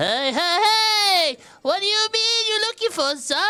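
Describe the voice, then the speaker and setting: A put-on character voice, extremely high in pitch, at a fairly slow pace. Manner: sharp, indignant.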